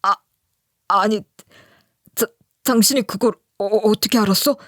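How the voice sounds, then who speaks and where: A woman's voice: fairly high pitch, animated, moderate pace, no room sound, studio quality, lightly acted. Woman doing a stammering, begging husband. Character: pleading cheating middle-aged husband.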